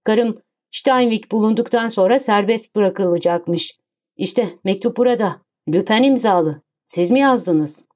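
A woman's voice: medium pitch, a little slow, a little mellow, close to an everyday voice. Worried cornered official guy, read by a woman, audiobook, strained and tense. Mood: anxious. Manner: anxious, strained. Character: anxious, cornered middle-aged male official.

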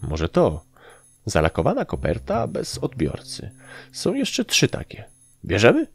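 Man voicing a whiny little sprite, pitched up. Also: wildly swooping pitch, measured pace, gravelly, slightly rough, soft background music, full character voice. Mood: eager. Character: small gloomy male sprite sidekick, complaining pessimist. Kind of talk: audiobook character acting.

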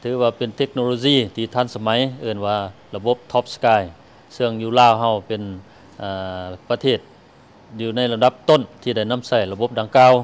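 A man's voice: medium pitch, fairly even intonation, racing, smooth. A middle-aged man from Laos, an official giving a statement to the press into a handheld microphone. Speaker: government official, air traffic director general. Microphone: handheld interview microphone.

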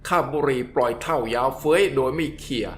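A man reading a scripted story in a steady, descriptive way, as the storyteller. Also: mid-range voice, brisk, soft background music.

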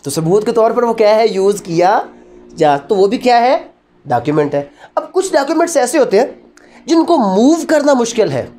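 A man's voice: very high-pitched, sing-song, normal speed, warm tone. A man with a Pakistani accent giving a didactic law lecture, mixing in English terms and answering his own questions.

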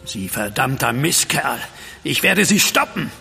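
An actor playing an indignant, defiant captive in a horror audio drama, speaking in a strained manner. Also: male voice, medium pitch, sing-song, measured pace, gravelly, sharp tone, slightly rough, faint music behind, full character voice. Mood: outraged. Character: outraged, defiant male captive, grieving widower.

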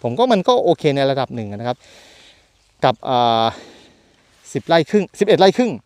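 A man's voice: a little high, very animated, normal speed, darkish tone, no echo. A man selling land, walking outdoors through open rural fields and chatting loosely to a handheld camera as he keeps pointing things out. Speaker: land seller and property reviewer. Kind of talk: casual walking tour to camera. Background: birds and open countryside.

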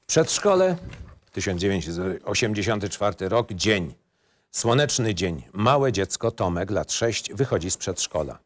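Low-pitched man reading screenplay directions. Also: sing-song, a little slow, no room sound. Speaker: narrator reading stage directions. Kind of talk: scripted narration, screenplay reading.

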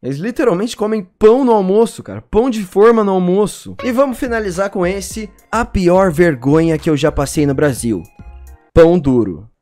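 Young man from Brazil, high-pitched, crude and sarcastic reaction host, close-miked. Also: lively intonation, normal speed, mellow, faint music behind. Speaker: YouTuber reacting to clips. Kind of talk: casual reaction commentary. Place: small room at home. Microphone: boom mic close to mouth.

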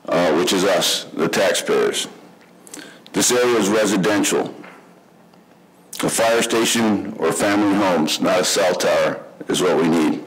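A middle-aged man, president of a homeowners group, reading prepared public comments at a podium in a meeting room. He speaks earnestly and haltingly, with many fillers. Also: on the low side, background noise. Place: indoor township meeting room. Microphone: podium microphone.

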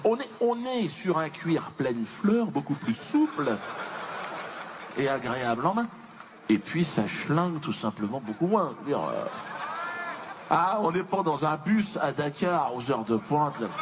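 A punchy stand-up comedy character acted by a man: a pompous colonial slave owner who pities himself. The voice is fairly high and leaps about theatrically in wounded indignation. It comes from a live stage with clear background noise. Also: big pitch swings, measured pace. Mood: smug. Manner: theatrical, indignant, mock-dignified, swinging to shrieked protests.

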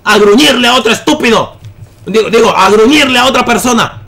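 Young male gamer, high voice, loud and excitable, close mic. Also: brisk, gravelly, noisy background. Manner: excitable, yelling at enemies in bursts. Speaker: gaming YouTuber. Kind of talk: gameplay commentary.

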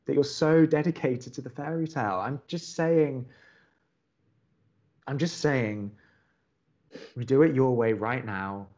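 A man's voice: mid-range voice, measured pace, long pauses, a little mellow, muffled recording, lightly acted. A man playing a blunt, wry young college radio co-host in a naturalistic audio drama. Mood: frustrated, sincere.

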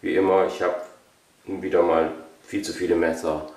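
A man presenting a collection as a channel host, unscripted and casual, haltingly thinking aloud. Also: low voice, flat delivery, a little mellow. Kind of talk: casual product showcase, unscripted. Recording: roomy echo, distant microphone.

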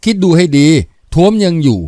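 A man voicing a young husband, a calm gunman who speaks in a firm, gruff, controlled way. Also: fairly quick, no echo, studio quality, natural voice.

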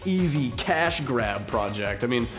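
Sarcastic guy co-hosting, gets loud and hyped, mid-pitched voice, faint music under it. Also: a little slow. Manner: animated, sarcastic, bursts of loud excitement. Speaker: co-host. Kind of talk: casual comedic chat.

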